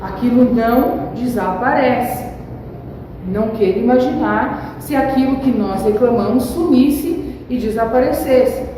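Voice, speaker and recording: A woman's voice: on the high side, a little slow, mellow, slight background noise. A woman pastor preaching a sermon, building emphasis and acting out everyday examples. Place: church hall. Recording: echoey church hall from far off.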